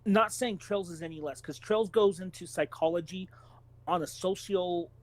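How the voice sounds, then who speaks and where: High-voiced man, analytical podcast talker. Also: moderate pace. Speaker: podcast co-host. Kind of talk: casual, opinionated discussion.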